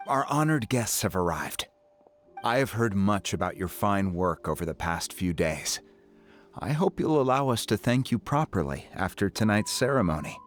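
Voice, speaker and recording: A patient tribal chief from a fantasy game. His voice is low, with expressive rises and falls. He speaks formally and with stately dignity. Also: normal speed, soft background music. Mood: gracious. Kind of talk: video game character acting.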